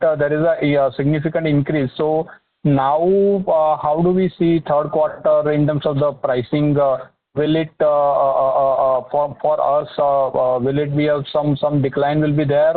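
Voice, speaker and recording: A man with an Indian accent, a financial analyst asking questions on an earnings call in a halting, repetitive way. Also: fairly high pitch, little pitch movement. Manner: halting, hesitant, repetitive phrasing. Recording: narrow phone-line sound.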